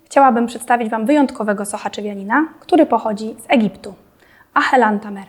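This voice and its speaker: A woman's voice: fairly high pitch, quick pace. Woman interviewer in an echoey room. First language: Polish. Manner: short prompting questions. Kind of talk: casual interview.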